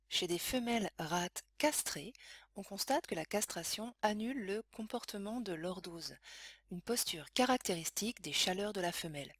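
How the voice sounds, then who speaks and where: A woman reading scripted science lesson narration in a measured, explanatory way. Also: lowish voice, slightly rough, no room sound. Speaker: educational narrator.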